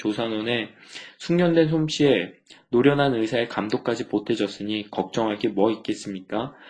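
The speaker is a man with a medium pitch. His voice varies in pitch in an ordinary way. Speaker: pastor. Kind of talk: reading aloud. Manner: somewhat hurried.

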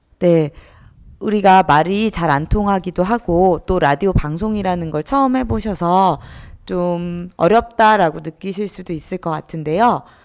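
In a normal speaking voice, a woman talks at a fairly slow pace with fairly low pitch and ordinary pitch variation, on a very clean recording with a silent background. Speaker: radio instructor and DJ. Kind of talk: radio show hosting.

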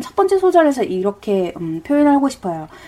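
Here a woman talks, her voice pitched high. Her pitch rises and falls very widely. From South Korea. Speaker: radio host. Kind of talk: radio English lesson with pop songs. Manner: casual, chatty.

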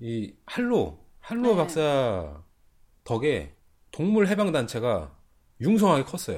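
A man talks at a very slow pace with a fairly high pitch, very wide pitch swings, and long, frequent pauses. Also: very clean recording, silent background. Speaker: book podcast host presenting a book. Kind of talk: casual book discussion podcast. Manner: conversational, with many fillers.

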